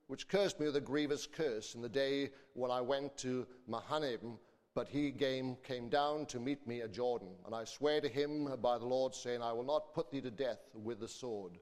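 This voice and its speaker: A man's voice: mid-range voice, moderate pace, a little mellow. A man preaching to a congregation, speaking informally and reading from scripture. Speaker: preacher and school teacher. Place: large reverberant church or hall. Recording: echoey hall with long reverb.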